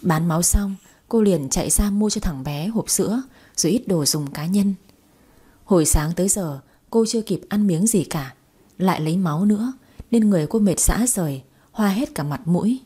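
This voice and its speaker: A woman tells a sad story aloud with slow, tender sorrow. Her voice is warm and mellow, with a breathy, husky edge. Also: on the low side, animated. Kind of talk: scripted narration of a melodramatic audio story.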